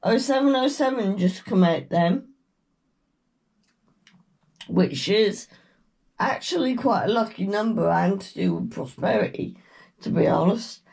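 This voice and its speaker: A woman with a British accent, croaky from a cold, giving a slow, meandering tarot reading with murmured chants. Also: medium pitch, a little mellow. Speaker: tarot reader. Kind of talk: casual tarot reading chat.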